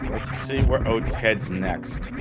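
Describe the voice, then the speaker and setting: A man's voice: lowish voice, slow pace, music in the background. A man with a Boston accent giving playful, jokey play-by-play commentary on a live speedrun tournament.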